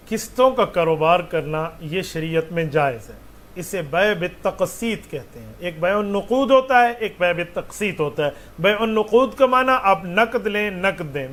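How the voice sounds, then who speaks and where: High-voiced mufti explaining. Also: male voice, fairly bright tone. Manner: explanatory, with rhetorical questions. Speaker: mufti answering questions. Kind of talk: religious question-and-answer.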